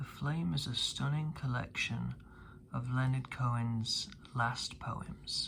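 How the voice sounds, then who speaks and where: Soft-spoken and calm in tone, the speaker goes at a very slow pace. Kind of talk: ASMR soft-spoken book commentary. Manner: soft-spoken, calm.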